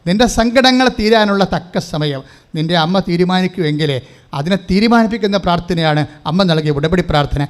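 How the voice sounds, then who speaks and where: A man's voice: sits high, lively intonation, brisk, clean tone. A man preaching a sermon, speaking emphatically and leading his listeners to repeat prayers after him. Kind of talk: sermon with call-and-response prayer.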